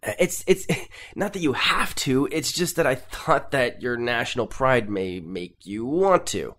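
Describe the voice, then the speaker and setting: A man's voice: mid-range voice, animated, unhurried, fairly bright tone. A man playing a polite stammering Canadian interviewer. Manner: polite, hesitant, stammering restarts.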